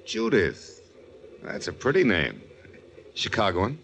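Brash flirty crook, very low voice, slangy wisecracks, 1940s radio drama, faint noise. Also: male voice, wildly swooping pitch, takes it slowly, vocal fry, a bit bright, full character voice. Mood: teasing. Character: brash, flirtatious man on a train, secretly a crook. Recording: noisy old 1940s radio recording.

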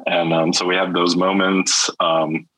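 A man's voice: low-pitched, flat delivery, measured pace, pushed and bright, dry recording, low-quality recording. A young man from China, a guest in an interview, talking candidly and hesitantly with many restarts and fillers.

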